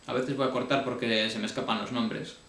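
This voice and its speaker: A man tells his own story in a colloquial, emotional way, full of restarts, sounding deeply upset. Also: fairly even intonation, fairly quick, creaky, a bit bright, roomy sound. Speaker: vlogger. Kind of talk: confessional personal account.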